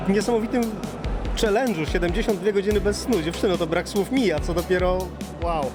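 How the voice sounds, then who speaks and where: A man's voice: sits high, brisk, music in the background. A man conducting a casual live interview as the interviewer.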